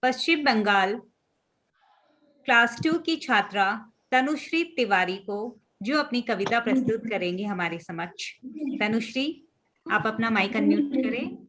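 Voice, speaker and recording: A woman's voice: fairly high pitch, animated, a little slow, fairly bright tone, slight background noise, poor audio. A woman hosting an online children's competition over a video call, announcing each participant formally and praising them. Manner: polite, encouraging, formal Hindi.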